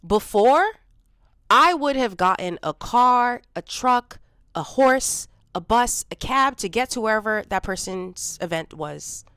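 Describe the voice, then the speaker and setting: A woman in her forties talking candidly in a reflective personal vlog, congested from a cold and low on energy. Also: animated, slow pace, a bit bright, smooth, dry recording, clean studio sound. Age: 40s. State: congested, dry cough. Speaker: vlogger.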